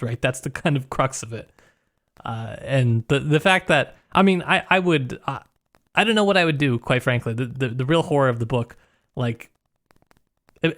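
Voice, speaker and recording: Male co-host, medium pitch, casual literary chat, jokey and slightly halting phrasing. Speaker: podcast co-host. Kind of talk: casual book discussion chat.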